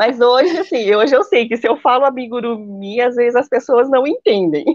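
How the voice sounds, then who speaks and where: A woman with a high voice and lively intonation sounds dry and close with no echo, though noticeable background noise is present. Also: moderate pace, very even loudness. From Brazil, 15 years in Japan from age 11. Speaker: amigurumi artisan. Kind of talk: interview.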